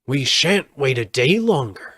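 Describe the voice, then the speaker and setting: A man's voice: medium pitch, very animated, unhurried, fairly bright tone, slightly rough, no room sound, clean studio sound, voice pushed up, full character voice. A man reading a storybook aloud as an aggrieved, plaintive scarecrow. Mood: insistent.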